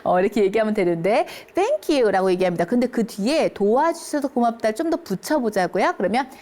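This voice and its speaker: A woman teaching English phrases to older learners, speaking them slowly and clearly and checking in often with her listeners. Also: on the high side. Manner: lively, encouraging, keeps checking in with listeners. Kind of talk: English lesson for seniors.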